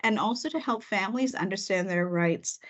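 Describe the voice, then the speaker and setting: A woman school administrator telling her story in a panel discussion, reflective and unhurried with occasional fillers. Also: medium pitch. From Canada. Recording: muffled, lo-fi audio.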